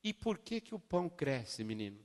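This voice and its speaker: A man quoting a kind, firm older woman schoolteacher, speaking softly and slowly in a reverberant hall. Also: medium pitch, sing-song, voice pushed down, natural voice. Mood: gentle, firm. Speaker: primary school teacher.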